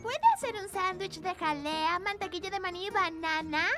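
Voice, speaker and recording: A woman's voice: extremely high pitch, moderate pace. A woman with a Latin American Spanish accent voicing a sweet, curious little fairy princess in a cartoon, childlike and polite. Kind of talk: animated cartoon dub. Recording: very loud cartoon music behind.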